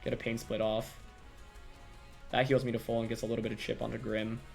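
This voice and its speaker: A man's voice: medium pitch, completely flat delivery, fairly quick, gravelly, darkish tone, soft background music. A young man commentating his own competitive video game battle, thinking aloud and second-guessing his plays. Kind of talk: live gameplay commentary.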